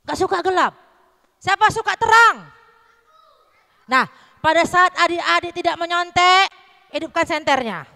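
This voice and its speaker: Bright high woman teaching children. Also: a little slow, creaky, pauses often. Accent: North Sumatran Indonesian. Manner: lively, quizzing children with questions. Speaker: Sunday school teacher. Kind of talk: children's Christmas lesson. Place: church hall. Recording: echoey hall.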